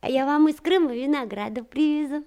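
A woman playing a young, loving daughter with a soft, coaxing manner in a Soviet radio play. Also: sits high, brisk, lightly acted. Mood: coaxing, affectionate.

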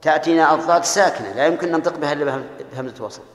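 A man's voice: fairly high pitch, rapid-fire. A man teaching a grammar lesson, explaining step by step and quizzing his students. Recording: echoey hall with long reverb.

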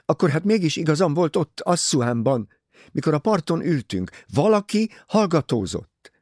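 A distraught young woman, frightened and pleading, pitched well above the gravelly reader, as a male narrator puts her on. Her pleas come breathy and husky in a dry, close audiobook recording. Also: big pitch swings, darkish tone, dry recording. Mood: agitated. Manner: pleading, shaken, outbursts.

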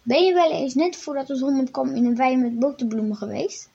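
After reading a Bible story for children in a simple narrating voice, a woman talks straight to her young audience. Her high voice moves a little fast and sounds gravelly, dark and husky, captured on a dull, lo-fi recording.

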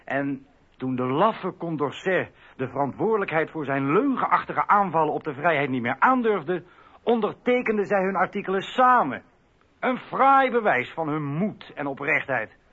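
An actor playing a contemptuous revolutionary accuser denouncing traitors in a radio play. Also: male voice, on the high side, very animated, normal speed, a bit bright. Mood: scornful, accusing. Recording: thin phone-like radio recording.

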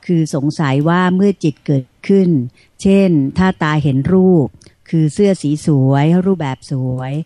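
Brief: female radio host, mellow tone, dry close studio sound, respectful and polite while reading questions. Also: on the low side, moderate pace, no echo. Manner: very deferential and polite.

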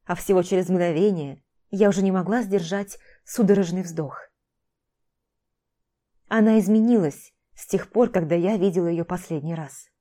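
A woman narrating a fantasy novel in the first person, with a measured, calm reading. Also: fairly low pitch. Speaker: audiobook narrator.

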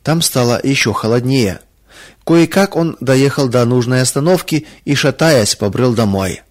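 A man narrating a Christian children's story in a calm, measured way. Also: mid-range voice.

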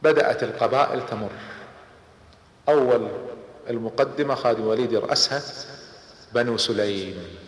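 Dude telling a religious story all dramatic, echoey roomy sound. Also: male voice, mid-range voice, normal speed, long pauses. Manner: dramatic storyteller, acting out dialogue. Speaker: lecturer. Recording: echoey hall reverb.

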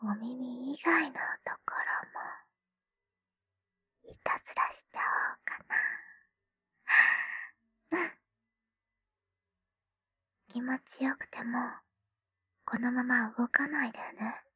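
Actress as a doting, teasing schoolgirl sister in an ASMR roleplay; slow, bright, airy whispering. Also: on the high side, slightly rough, no echo, clean studio sound, heavily acted. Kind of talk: ASMR roleplay with ear cleaning.

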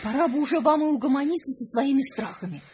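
An actress in a radio play playing a practical, skeptical wife. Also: female voice, high-pitched, lively intonation, quick pace, background noise. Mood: skeptical, uneasy.

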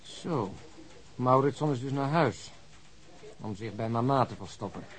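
A man's voice: mid-range voice, unhurried, natural voice. Man acting a teasing, sceptical police colleague. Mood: curious. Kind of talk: naturalistic radio drama dialogue.

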